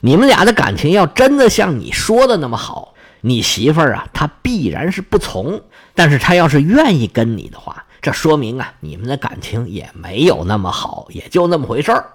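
A man's voice: fairly high pitch, wildly swooping pitch, normal speed, husky, exaggerated voice. A male storyteller voicing a haughty, scheming goddess of dawn who coaxes and then mocks. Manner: coaxing, then cold and mocking.

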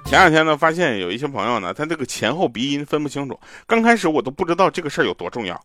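Lively-pitched male stand-up comic. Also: very fast, no echo, clean studio sound, faint music behind. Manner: deadpan joke delivery with lively pitch swings. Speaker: stand-up comedian. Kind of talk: stand-up comedy monologue. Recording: clicks and noise in the recording.

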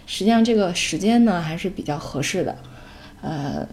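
A woman's voice: lowish voice, animated, moderate pace, a little mellow. A woman in her forties from China, a mother chatting casually through family anecdotes, full of fillers with some English mixed in. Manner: chatty, with many fillers and Mandarin-English mixing. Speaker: mother, vlogger. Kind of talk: casual storytelling.

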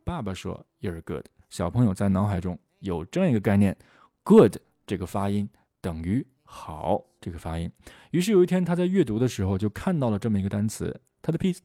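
A middle-aged man teaching how to memorize English words, lively and full of rhetorical questions. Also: fairly low pitch, brisk, no room sound, studio quality. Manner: lively, rhetorical questions, often asks "right?". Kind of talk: lecture on memorizing vocabulary.

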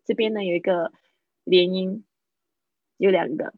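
A woman teaching English pronunciation in a live online lesson, switching between quick explanations and slow, drawn-out model phrases, repeating words several times to drill them. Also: lowish voice, fairly even intonation, no echo, phone-quality sound. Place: indoors, streaming over video call.

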